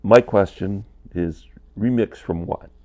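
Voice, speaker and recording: A vinyl collector in his fifties rambles casually to camera from a small basement room, his voice lowish, slow and a little mellow on lo-fi audio. He has a stuffy cold and comes across chatty and candid, gesturing a lot with his hands as he talks records.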